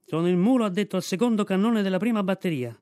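Billy, a man playing a gruff old army mule. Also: high voice, a little mellow, no echo, clean studio sound, voice pushed up, lightly acted. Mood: blunt. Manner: scolding, brisk and blunt.

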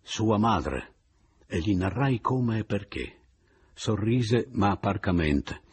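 Low-voiced guy reading an audiobook, super animated delivery, rough husky sound. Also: slow pace. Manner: lively expressive reading, voicing dialogue. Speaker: narrator.

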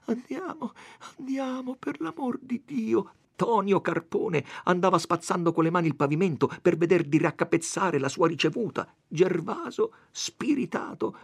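A man giving a dramatic reading of a classic novel, expressive and animated. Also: creaky, husky, no echo. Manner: expressive, raises pitch for quoted characters. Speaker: audiobook reader.

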